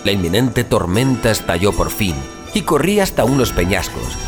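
A man's voice: lowish voice, big pitch swings, normal speed. A man playing a weary, frightened explorer who recounts his ordeal in solemn, literary, suspenseful first-person audio fiction. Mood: ominous. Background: music bed.

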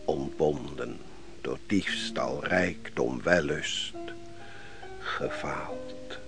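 A man's voice: extremely low pitch, drawn-out words, creaky, music in the background, exaggerated voice. An actor playing a brooding, defeated nobleman of an ancient kingdom in a radio play, speaking solemnly and with theatrical deliberation. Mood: despairing. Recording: noisy old radio play recording.

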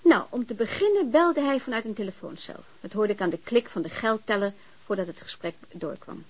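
A vain, flirty female telephone operator in a radio drama. Her voice is very animated, with big swoops in pitch. She is chatty, playful and openly teasing. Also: fairly quick, breathy edge. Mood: chatty, matter-of-fact.

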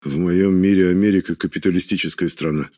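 A man voicing a guarded soldier from a parallel world who answers in a measured way. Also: low voice, steady tone, dark tone, lightly acted. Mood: explaining. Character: guarded Russian soldier from another world, male.

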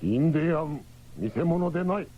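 A man's voice: on the high side, animated, a little fast, close to an everyday voice. An actor playing a big, proud, stoic Native American man who speaks in terse broken sentences. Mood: indignant. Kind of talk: 1970s radio drama acting. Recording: dull 1970s radio, loud noise.

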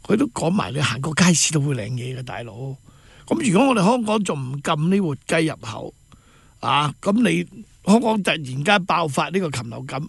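A man with a Cantonese accent hosting a radio talk show, giving blunt, mocking political commentary and breaking into quick impressions. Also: a little high, very animated, vocal fry, breathy edge, no echo.

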